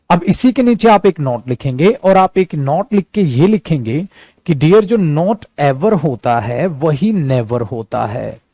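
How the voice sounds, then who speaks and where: A man with an Indian accent teaching a spoken English class, calling his students dear and son and drilling words by repetition, slowing right down for the English examples. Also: on the high side, dark tone, no echo. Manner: slows to a careful crawl for English example sentences.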